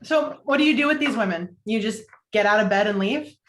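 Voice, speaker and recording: A woman playing a frank, opinionated single friend, quick to get indignant, in a film comedy table read. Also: medium pitch, a little hiss or hum, close to an everyday voice. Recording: roomy, echoing home recording.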